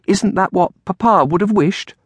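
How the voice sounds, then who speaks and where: A man voicing a distraught, pleading eleven-year-old orphan girl in a storybook, tearful and halting. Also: high voice, slightly rough, no echo, voice pushed up. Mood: anxious, questioning. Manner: tearful, halting, stammering on first words.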